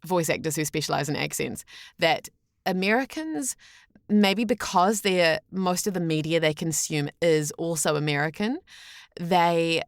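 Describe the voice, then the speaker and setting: A woman with a New Zealand accent chatting as an interview guest, telling anecdotes in a halting, chatty way full of "like". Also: on the low side, dry recording, studio quality. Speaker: podcast guest, voice actor.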